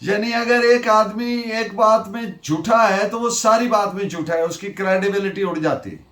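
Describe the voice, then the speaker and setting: A man with a Pakistani accent giving a lecture in a deliberate, didactic way, repeating his key phrases. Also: high-pitched, fairly bright tone. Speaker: law lecturer. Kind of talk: lecture on legal principles, mixing Urdu and English. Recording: echoey, roomy sound.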